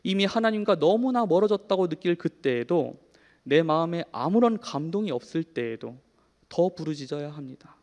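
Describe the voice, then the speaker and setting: A man's voice: on the high side, animated, normal speed. Earnest Korean preacher man in a reverberant hall. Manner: earnest storytelling preacher, moves from soft to emphatic. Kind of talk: sermon. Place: church hall.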